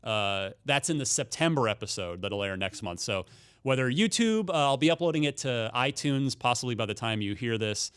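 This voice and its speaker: A man's voice: mid-range voice, expressive, normal speed, a bit bright, clean tone. A man hosting a podcast in casual, conversational talk, plugging things to check out. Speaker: podcast host.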